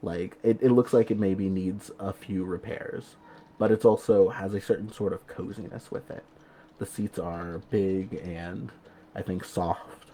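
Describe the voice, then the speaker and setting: A man's voice: low-pitched, steady tone, measured pace, mellow, a little hiss or hum. A man improvising narration as a player in a tabletop game, hesitant and informal, thinking aloud.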